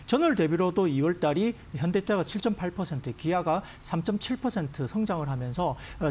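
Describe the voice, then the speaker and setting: A man in his thirties talks fast as a stock analyst on a finance broadcast, his voice a little high, packed with fillers as he reasons aloud. Recorded on a lapel mic in a TV studio. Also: a little mellow. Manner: rapid analytical talk with many fillers. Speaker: stock market analyst guest. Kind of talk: market commentary on TV finance show. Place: TV news studio.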